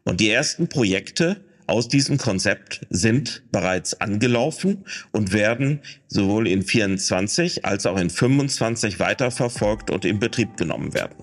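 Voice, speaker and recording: A man's voice: lowish voice, animated, normal speed, few pauses. A man speaking as a site manager, explaining plans matter-of-factly. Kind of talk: interview statement.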